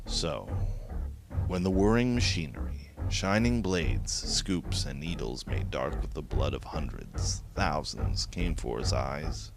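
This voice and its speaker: Deep gravelly man narrating horror. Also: expressive. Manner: slow, grave, ominous delivery. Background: music.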